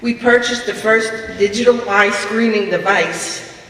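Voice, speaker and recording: An older woman with a Brooklyn accent delivers a prepared club speech in a high-pitched voice. She is picked up from a distance in an echoey hall, with room noise around her. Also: steady tone, unhurried, a bit bright. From Brooklyn, New York. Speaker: guest speaker, club officer. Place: large echoey meeting room, live audience.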